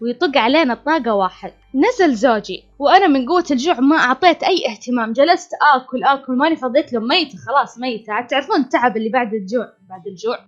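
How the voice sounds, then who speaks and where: A young woman telling a personal story dramatically, acting out the shouting and crying. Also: high-pitched, animated, racing, few pauses. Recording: slightly dull lo-fi with faint music.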